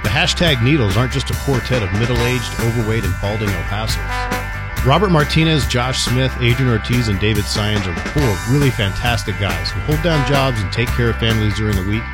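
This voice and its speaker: A middle-aged man hosting a podcast, chatting casually and gently ribbing his guest. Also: mid-range voice, animated, brisk, over loud music. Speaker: podcast host. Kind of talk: casual interview chat.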